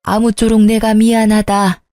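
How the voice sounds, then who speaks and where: A woman reading as a doting old grandmother from a storybook, fussing in coos and humble apologies. Her voice is warm and dry, with faint music under it. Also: mid-range voice, little pitch movement, normal speed, no room sound, lightly acted. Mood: contrite. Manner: cooing baby talk, then humble apology. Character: doting older grandmother, contrite mother-in-law.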